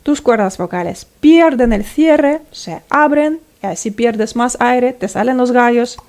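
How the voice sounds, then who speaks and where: A woman's voice: fairly high pitch, measured pace, darkish tone. A woman singing teacher explaining vocal technique step by step and checking in with the listener.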